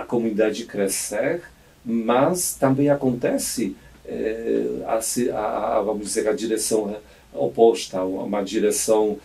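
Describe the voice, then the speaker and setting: A man's voice: mid-range voice, darkish tone, far from the mic. A man in his fifties, a bishop from Poland with a Polish accent, speaking in a radio studio interview, reflective and hesitant with many restarts. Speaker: auxiliary bishop. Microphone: studio mic on boom arm.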